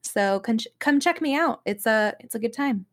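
A woman's voice: on the high side, expressive, normal speed. A woman co-hosting a podcast, speaking in a casual, conversational style. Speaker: podcast co-host. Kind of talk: casual podcast sign-off and self-introduction.

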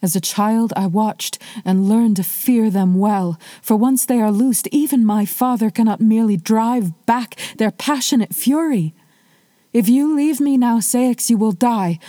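A woman's voice: medium pitch, steady tone, slow pace, few pauses, warm tone, no room sound, clean studio sound, close to an everyday voice. A woman voicing a fearful, pleading young queen. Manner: pleading, anguished.

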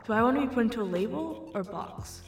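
A woman's voice: fairly high pitch, expressive, quick pace, music in the background. A young woman playing an earnest young woman who keeps questioning where she belongs, in an amateur audio drama. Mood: reflective. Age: young adult. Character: young mixed-race woman, searching and earnest.

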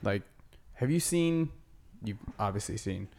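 A man's voice: fairly low pitch, unhurried, creaky. A young man co-hosting a casual podcast, rambling with many fillers and acting out little quotes. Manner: rambling, filler-heavy, lively impressions. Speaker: podcast co-host, band member. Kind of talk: casual chat.

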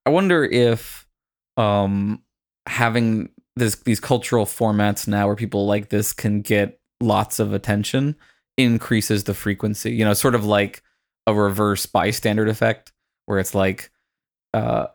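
A man hosting a podcast in casual, reflective talk, choosing his words tentatively in a creaky voice. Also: lowish voice. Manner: thoughtful, tentative phrasing. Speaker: podcast host.

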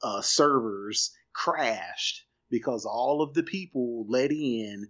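A man co-hosting a casual tech news podcast, talking in an animated, slangy, emphatic way. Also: mid-range voice, slow pace, muffled recording. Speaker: podcast co-host.

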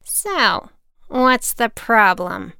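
A sharp-tongued old woman sneers and lectures, voiced by a woman reading a storybook. The tone is bright and cutting, very clear. It sounds dry and close. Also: a little high, expressive, drawn-out words, no room sound, heavily acted. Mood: brusque. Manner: scornful, snappish, lecturing. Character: harsh scolding old woman, the Shears.

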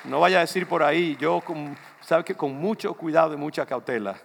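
A slightly high, creaky male voice at normal speed belongs to an older Dominican pastor with a Dominican Spanish accent. He preaches a loose, conversational sermon in a church sanctuary, returning often to the congregation. The recording has a church hall's long reverb, some chatter behind, and slight background noise.

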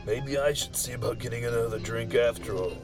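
A man's voice: medium pitch, fairly quick, music in the background, lightly acted. A man acting out an irritable, wary young guy in a dramatic first-person horror story, muttering and coarse. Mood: uneasy muttering. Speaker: story reader.

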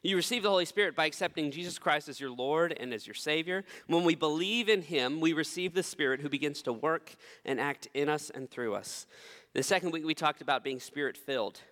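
A man's voice: a little high, brisk, fairly bright tone, big-room sound. A young man, preaching a sermon in a conversational, self-deprecating way. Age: 20s. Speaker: pastor.

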